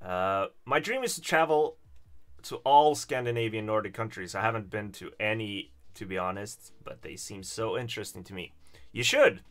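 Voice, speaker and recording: A man's voice: fairly low pitch, moderate pace. A man, hosting a casual livestream chat and reading viewer comments in a chatty, self-deprecating way. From Sweden. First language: Swedish. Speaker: livestream host.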